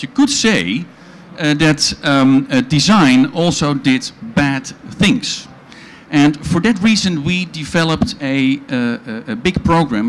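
A man's voice: fairly high pitch, a little hiss or hum. A middle-aged man with a Dutch accent giving a conference presentation on a pavilion stage through a handheld mic, chatty and full of ums and restarts. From Netherlands. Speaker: organization founder presenting at a panel. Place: event pavilion stage with audience.

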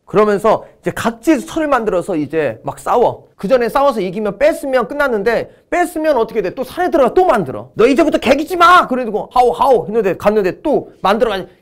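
A middle-aged man lecturing on history for an exam-prep course. His pitch leaps up and down all the time, and he keeps breaking into playful mini-skits to make facts stick. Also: fast talker, few pauses. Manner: animated, playful, acts out little skits.

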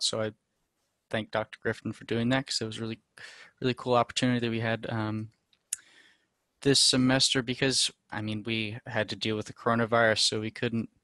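A man's voice: medium pitch, dry recording. Young New Zealand man, dry close sound. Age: 20s. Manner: relaxed, hesitant with many ums. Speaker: student musician. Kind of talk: casual self-introduction to camera. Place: small home music room, indoors.

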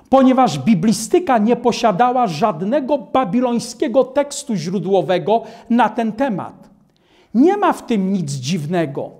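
A man in his sixties giving a Bible study lecture as a preacher, explaining in a measured way in a studio. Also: high-pitched, darkish tone. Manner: slow, measured, explanatory delivery. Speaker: Adventist preacher. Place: studio in front of a painted backdrop.

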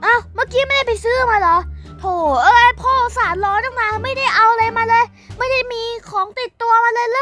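A young performer voicing an impatient father who wants to get back to his phone game. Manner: grumbling, impatient, lowered voice. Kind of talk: toy roleplay voice acting.

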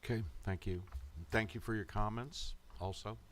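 A man with a very deep voice chairs a public meeting. He talks through procedure informally, in halting phrases pieced together as he goes. Faint noise sits behind him. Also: steady tone. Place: indoor council meeting room. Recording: faintly noisy meeting room microphone.

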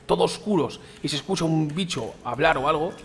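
A man from Spain plays a game on YouTube and riffs on it casually in his Spain Spanish accent, speaking briskly in a fairly high, slightly bright voice with vocal fry. He's slangy and chatty, addressing viewers directly as "chicos" and "tío".

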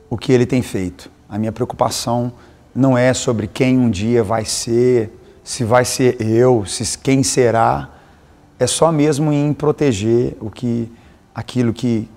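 A man's voice: mid-range voice, mellow. A man who leads a ministry, speaking earnestly and with some hesitation in a documentary interview. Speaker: church minister.

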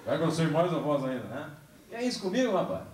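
A man gives a lively public talk to a young audience, holding a handheld microphone and acting out dialogue as he tells stories. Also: a little high, fast talker. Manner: animated storyteller, acts out dialogue, gestures. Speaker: public speaker on alcohol and drugs. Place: large hall with a seated audience. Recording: echoey hall, camcorder recording.

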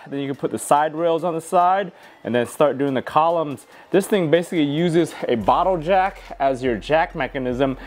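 A man in his thirties talks through assembling and testing a tool in his home garage. His delivery is easygoing and practical, sitting at an ordinary middle pitch. He sounds like a hobbyist sharing tips while he works. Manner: relaxed, practical, explains step by step. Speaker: DIY garage tool reviewer. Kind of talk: casual how-to narration.

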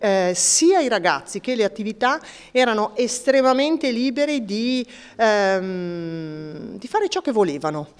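A woman's voice: medium pitch, animated, measured pace, clear, resonant tone. Hesitant woman speaking in a reverberant room. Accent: Italian. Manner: hesitant, with fillers. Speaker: interviewee. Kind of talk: interview answer.

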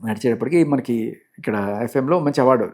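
A man in his thirties, a radio jockey, telling his story in a soft-spoken, anecdotal way during a casual interview. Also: mid-range voice, fairly quick. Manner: soft-spoken, anecdotal, mixes in English words.

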